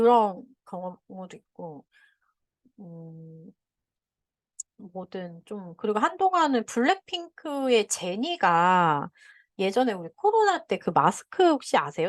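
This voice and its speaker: Very slow speech with long, frequent pauses and very wide pitch swings against a quiet background. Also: woman, medium pitch for a woman, big swings in loudness, dry, close sound with no echo. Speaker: online selling instructor. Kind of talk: webinar lecture.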